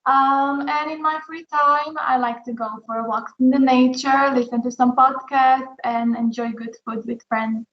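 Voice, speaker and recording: A woman in her twenties from Slovenia introducing herself cheerfully, slow and careful. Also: high-pitched, steady tone. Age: 20s. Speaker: student presenter. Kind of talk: self-introduction. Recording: dull roomy sound from off-mic.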